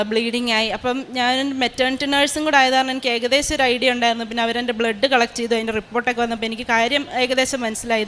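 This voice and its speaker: A young woman tells her personal testimony. She talks quickly in a slightly high voice. Her delivery is earnest and full of fillers and restarts. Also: fairly bright tone, slight background noise. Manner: earnest storytelling with many fillers. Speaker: testimony giver.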